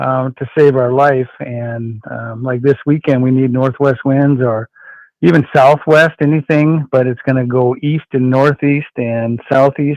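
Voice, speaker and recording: An ordinary speaking voice, a man at a medium pitch speaks at a fairly slow pace with fairly even intonation in a dry, close sound with no echo. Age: 60s. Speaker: deer hunter. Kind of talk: casual radio interview.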